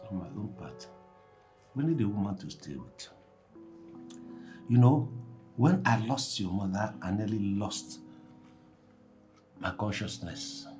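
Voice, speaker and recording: An earnest, middle-aged Nigerian father who speaks gently and protectively. His voice runs somewhat low, with faint music playing beneath it. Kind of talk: Nollywood film acting.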